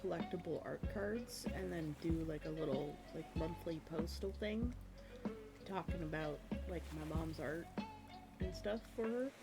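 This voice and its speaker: Chatty streamer woman, lower voice, slightly hoarse. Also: a little slow, over loud music. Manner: chatty, rambling with many fillers, laughs often. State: slight cough, losing voice. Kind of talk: casual chat while gaming. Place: home room at her computer.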